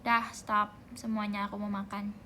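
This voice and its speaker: A young woman streaming live, chatting playfully in a soft voice, humming bits of songs and thanking viewers by name. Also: medium pitch, level tone, moderate pace, noisy background. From Indonesia. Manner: playful, soft-spoken, sings snippets and reads out gifter names. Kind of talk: casual livestream chat.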